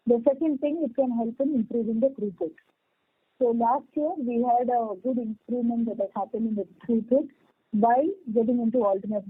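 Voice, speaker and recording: Higher-pitched Indian woman executive on phone line. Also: no echo. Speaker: company executive answering analysts. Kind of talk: spoken business explanation on an earnings call. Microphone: conference call phone line. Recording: tinny phone line, dry.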